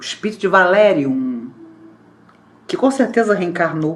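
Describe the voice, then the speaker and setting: In a room with audible echo, a woman at a medium pitch makes very wide pitch swings. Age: 60s. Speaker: spiritist lecturer. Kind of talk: lecture.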